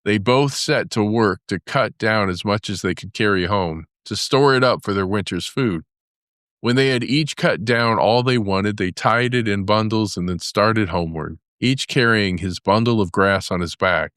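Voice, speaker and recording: A man narrating a fairy tale as a storybook, in a measured storytelling manner. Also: on the low side, a bit bright, no echo, clean studio sound. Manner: measured storytelling with character voices for dialogue.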